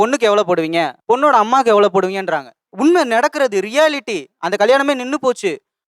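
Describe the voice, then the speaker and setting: A man's lively intonation comes through a dry, close sound with no echo. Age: 20s. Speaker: talk show panelist from groom's side. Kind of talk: talk show debate.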